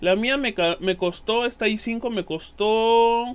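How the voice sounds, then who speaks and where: This is a man talking. He has a Mexican accent. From Mexico. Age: 20s. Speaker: gaming youtuber. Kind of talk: casual vlog. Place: home room.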